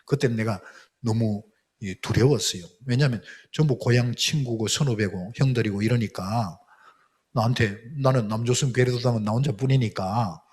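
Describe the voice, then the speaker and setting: A man's voice: medium pitch, darkish tone, husky. A middle-aged man, a missionary, giving a testimony lecture, telling his story with feeling and acting out prayers and quotes. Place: lecture hall.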